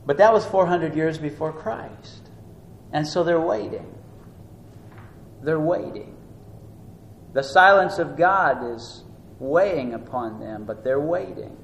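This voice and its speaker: A man preaching a sermon. He teaches earnestly, rising and slowing down for emphasis. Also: fairly high pitch, lively intonation, vocal fry. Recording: echoey room with faint noise.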